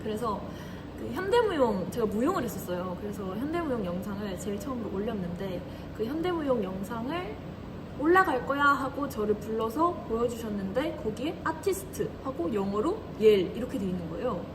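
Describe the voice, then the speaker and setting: A young Korean woman in her twenties, hosting an idol livestream, chats casually with a slight regional dialect, giggling often as she reads and answers comments. Her voice is a little high, very animated and brisk, over a noisy background.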